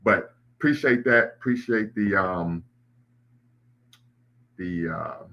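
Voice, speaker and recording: A man's voice: sits low, slow pace, creaky, highs cut off. A man hosting a live online discussion, lecturing at length and citing history, with frequent restarts. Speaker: livestream host.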